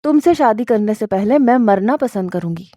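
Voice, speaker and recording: A woman reading the lines of an angry young office worker, with scolding, sharp retorts. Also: medium pitch, expressive, no room sound, clean studio sound, natural voice.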